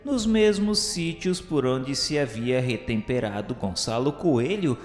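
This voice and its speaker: Man, mid-pitched voice, solemn radio drama narration, formal declamatory delivery, long reverb, music behind. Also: expressive, unhurried, a little mellow. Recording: reverberant echoey hall sound with music.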